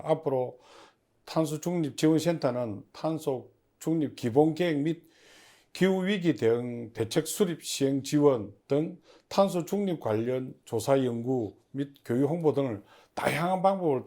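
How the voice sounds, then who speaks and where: A man giving formal, prepared interview answers as an agency official, in measured and stiffly official phrasing. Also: a little high, dark tone. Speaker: head of a public industry agency, interview guest.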